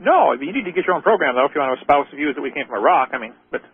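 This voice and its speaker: A man's voice: a little high, animated, rapid-fire, breathy edge. A man hosting a call-in radio show, arguing with a caller in a lecturing way and firing off rhetorical questions. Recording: tinny phone-line radio audio.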